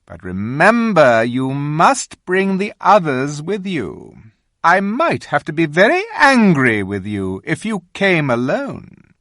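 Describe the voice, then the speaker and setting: Picture a scheming witch queen from a storybook, as a reader puts her on, pitched well above the reader's own voice and pushing loud. She coaxes sweetly, then commands, slow and deliberate over a very dry, close sound. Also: huge pitch swings, dry recording, exaggerated voice. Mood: coaxing. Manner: coaxing, commanding. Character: imperious cunning female queen, a wicked witch. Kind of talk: audiobook reading.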